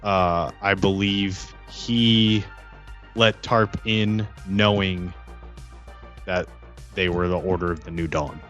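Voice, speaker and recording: A very low, slightly dull recording of an earnest vampire insider, played by a man. He talks haltingly and guardedly, circling back over his phrases in a role-play game. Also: fairly even intonation, a bit bright, faint music behind. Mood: uneasy, confiding. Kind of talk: improvised role-play dialogue.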